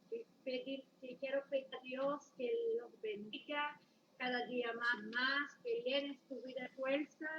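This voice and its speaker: A woman from Paraguay with a strong Paraguayan accent, a missionary speaking on a church live stream, often pausing and searching for words. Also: high-pitched, recorded from a distance, dull audio, a little hiss or hum.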